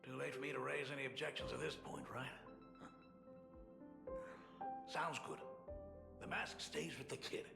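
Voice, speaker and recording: A man's voice: mid-range voice, steady tone, brisk, creaky, reverberant, in a large hall, over loud music. An actor playing a wry, resigned middle-aged father in a video game.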